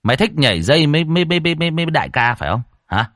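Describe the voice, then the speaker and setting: Cocky young exorcist, voiced by a man, rough, taunting, lower voice, lively delivery. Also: normal speed, no echo, studio quality. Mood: mocking taunt. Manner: taunting, swaggering, rough-spoken.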